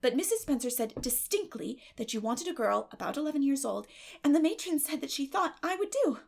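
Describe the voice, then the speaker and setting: A woman voicing an eleven-year-old orphan girl, dramatic and imaginative, with a breathy, effusive, emotional delivery in a storybook reading. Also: high voice, big pitch swings, brisk, voice pushed up, full character voice. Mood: reproachful, wistful.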